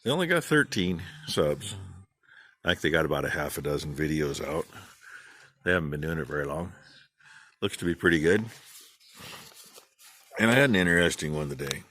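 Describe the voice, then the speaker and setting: Folksy middle-aged farmer man, deep voice, dry close sound, casual rambling chat. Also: big pitch swings, normal speed, long pauses, a bit bright, no echo. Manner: folksy, rambling, plain-spoken. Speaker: farm channel vlogger. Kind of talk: casual rambling shout-outs.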